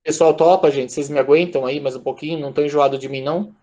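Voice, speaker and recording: A man with a Brazilian accent delivers an informal lecture over a video call. His delivery is conversational and animated, and he keeps addressing his listeners directly as he talks. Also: on the high side, fast talker, lo-fi sound. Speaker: speaker at an online lecture.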